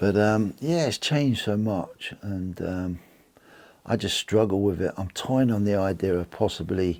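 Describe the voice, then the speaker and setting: The speaker has a British accent and talks at a fairly slow pace. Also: man. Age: 60s. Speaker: precious metals and whisky YouTuber. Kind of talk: casual chat. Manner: halting; animated.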